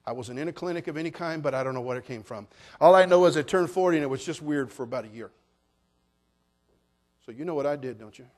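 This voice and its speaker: A middle-aged man preaching a sermon as pastor, folksy and joking, building up to shouted passages. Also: a little high, quick pace, pauses often.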